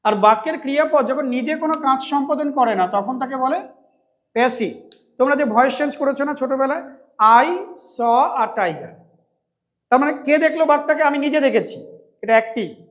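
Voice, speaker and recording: A man's voice: very high-pitched, a bit bright. Male tutor from West Bengal, patient step-by-step lecturer who drags out sentences for dictation. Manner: explains step by step, asks and answers his own questions; slows to dictate English sentences word by word. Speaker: English teacher at a coaching centre. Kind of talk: classroom lecture on translation.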